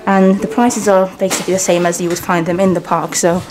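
A woman in her thirties whose first language is Persian chats brightly through a self-filmed hotel walkthrough, with her pitch jumping up now and then. The sound is handheld camera audio with clear background noise from the indoor lobby. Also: fairly quick. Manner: chatty, upbeat, lively ups and downs in pitch. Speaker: travel vlogger. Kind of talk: casual walking hotel tour.

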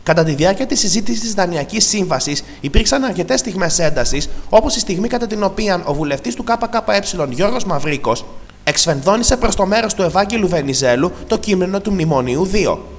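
A man reading a scripted television news report in an even, measured way. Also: sits high, long reverb tail. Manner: even, measured reading of vote counts and names.

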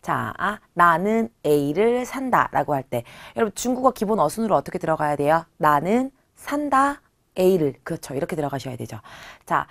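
A woman in her thirties teaching a beginner Chinese lesson, who stretches out model words slowly and says them louder for practice. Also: fairly low pitch, sing-song, gravelly. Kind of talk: online language lesson.

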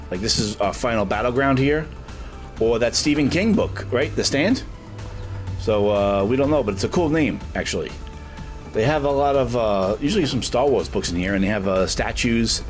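A middle-aged man, casually narrating a walking vlog through a small comic shop, rambling with lots of filler words. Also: mid-range voice. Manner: chatty, rambling, many "uh" fillers, excited when finding books. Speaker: vlogger touring a comic shop. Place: street, then a small comic shop indoors.

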